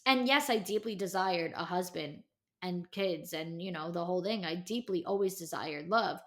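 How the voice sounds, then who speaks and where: A woman's voice: on the low side, moderate pace. Candid thirty-year-old woman podcaster. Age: 30s. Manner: candid, chatty, sprinkled with "like" and "you know"; emphatic, encouraging direct address to listeners. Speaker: podcast host. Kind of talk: casual solo podcast pep talk.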